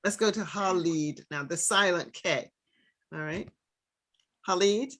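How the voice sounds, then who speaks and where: A woman's voice: lowish voice, slow, a bit bright. A woman casually moderating an online English class as its teacher, encouraging people briefly as they speak.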